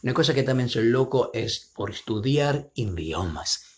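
A man's voice: medium pitch, expressive, moderate pace. Young man, brazilian accent, native portuguese speaker, rambling, playful podcast host. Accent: Brazilian Portuguese speaker, mixing in an Argentine lilt. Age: 20s. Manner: rambling, playful, self-mocking, switches into put-on voices. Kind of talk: casual solo podcast talk.

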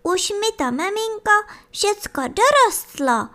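A woman voicing a timid little male bunny who begs his mother in a high, pleading voice. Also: very animated, pushed and bright, exaggerated voice. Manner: high crying calls, eager pleading.

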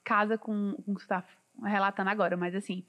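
A woman's voice: mid-range voice, little pitch movement, fast, highs cut off. A woman from Northeast Brazil, the interviewer, asking long, searching questions full of fillers.

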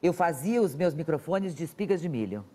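A woman guest on a talk show, telling lively stories and laughing often. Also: sits low, fairly quick. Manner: animated storyteller, laughs often.

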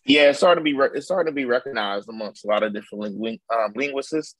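A man joining a podcast as a guest, speaking in a relaxed, laid-back way. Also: medium pitch, fast, no echo. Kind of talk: casual podcast chat.

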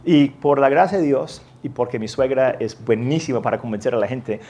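A man telling a lively, self-mocking anecdote as part of a sermon, jumping into the voices of the people in the story. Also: mid-range voice, fairly quick. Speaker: preacher.

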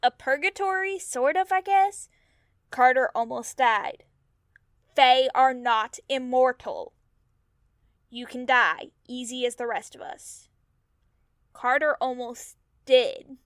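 A stubborn young runaway siren with a high voice and an unhurried pace. The delivery is blunt and emotional, in audio drama style. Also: female voice, dry recording, studio quality. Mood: uneasy.

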